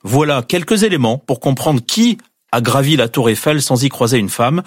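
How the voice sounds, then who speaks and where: A man presenting a news segment on morning radio, explaining the background in a measured way. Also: medium pitch, expressive, dry recording, clean studio sound.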